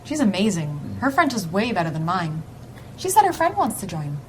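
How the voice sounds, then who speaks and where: A woman's voice: fairly low pitch, very animated, normal speed, slight background noise, poor audio. A woman in a scripted conversation, chatty and enthusiastic. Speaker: language club member. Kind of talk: scripted conversation for a listening test.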